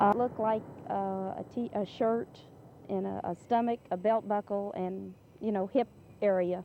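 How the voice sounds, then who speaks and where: A woman's medium-pitched voice keeps fairly even intonation at a moderate pace while noticeable background noise continues. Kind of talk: interview answer.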